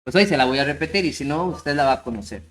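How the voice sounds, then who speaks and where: A man preaching a sermon, telling a story earnestly and slowing down on key points. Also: on the high side, animated, a bit bright. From Costa Rica. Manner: storytelling, earnest, slows down for emphasis.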